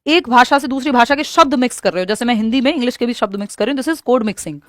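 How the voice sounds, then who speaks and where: A woman with a high voice teaches an exam-prep lesson. She explains each point patiently and reads the questions out slowly. The sound is dry and close, with no room around it. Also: a bit bright, no room sound. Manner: explains in Hindi mixed with English terms, reads questions slowly.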